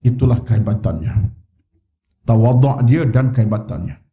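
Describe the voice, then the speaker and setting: A man's voice: normal speed, muffled recording. A man with a Malaysian Malay accent, giving a mosque lecture as a religious teacher. He tells stories and acts out the quoted voices. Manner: storytelling, acts out quoted voices with rising pitch. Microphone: wireless microphone.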